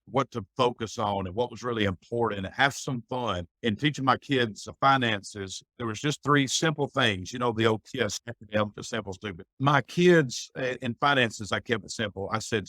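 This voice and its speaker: A man's voice: medium pitch, normal speed, hardly any pauses, bright, forceful tone, dry recording. A middle-aged man speaking as a podcast guest, giving earnest, folksy advice in a reflective conversation. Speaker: guest, business owner.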